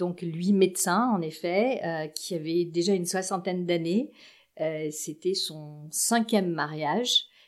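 Her pitch moves in a normal way. The woman's delivery is very slow. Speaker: former expat in the US. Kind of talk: casual chat.

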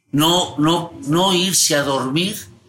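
Room echo is audible as this man talks. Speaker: retiree. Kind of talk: interview. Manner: halting.

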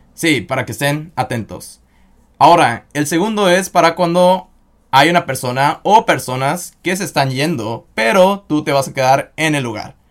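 A man speaks in an ordinary speaking voice with a fairly high pitch. His intonation is lively and his pace fairly slow. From Mexico. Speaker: language teacher podcast host. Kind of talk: language lesson.

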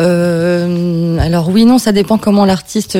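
With a normal speaking voice, a woman talks at a fairly low pitch with ordinary pitch variation. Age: 40s. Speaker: artist booking agent. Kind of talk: round-table discussion.

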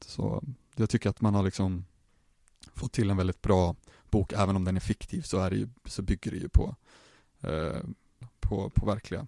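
In a very clean recording with a silent background and a dry, close sound with no echo, a man with a very deep, low pitch, a dark, mellow tone and vocal fry speaks at a moderate pace, using ordinary pitch variation and long, frequent pauses. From Sápmi (Sami background). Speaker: Sami guest discussing a book. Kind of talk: casual chat. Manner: halting.

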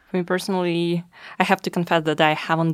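A woman with a Russian accent is heard in a very clean recording with a silent background and a dry, close sound with no echo. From Russia, St. Petersburg. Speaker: master's student. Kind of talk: interview.

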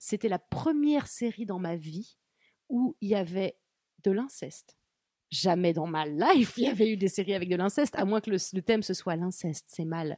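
A woman with a dark, mellow tone and a medium pitch speaks at a moderate pace with lively intonation, in a dry, close sound with no echo. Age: 20s. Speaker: actress and screenwriter. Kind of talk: casual chat. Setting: live stream.

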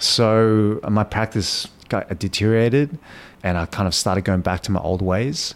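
A man with an Australian accent speaks at a moderate pace in a fairly low pitch. His pitch variation is ordinary and his loudness very even. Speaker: breathwork instructor. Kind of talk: interview.

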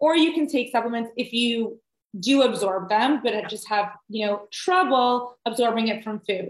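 A woman with a normal speaking voice talks at a moderate pace. Her pitch is fairly high and her intonation lively. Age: 40s. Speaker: pharmacist. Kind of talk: casual chat.

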